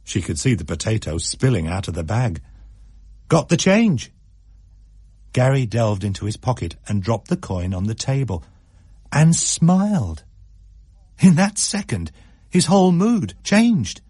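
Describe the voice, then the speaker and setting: Husky man reading a radio story. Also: fairly low pitch, a little slow, dry recording, clean studio sound. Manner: expressive, shifts pace for effect. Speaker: narrator.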